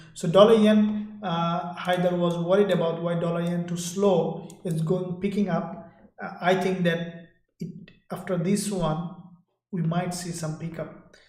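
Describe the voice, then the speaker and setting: A man from Sydney, Australia, hosting a live trading stream, talking loosely and repetitively to his viewers and reading their chat out loud. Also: fairly high pitch, flat delivery, normal speed, reverberant.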